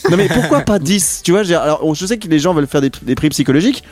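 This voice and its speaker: A man's voice: a little high, lively intonation, quick pace, darkish tone, soft background music. A man hosting a radio show, presenting a guest in loose, jokey patter at a studio mic. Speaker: radio host. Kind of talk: casual radio chat. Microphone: studio microphone.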